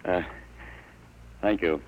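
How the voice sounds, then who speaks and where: A man's voice: takes it slowly, slight background noise, lightly acted, low-quality recording. An actor playing a mild, easily flustered middle-aged father in a 1950s radio drama, polite and a little hesitant. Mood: awkward, polite. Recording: vintage 1950s radio broadcast.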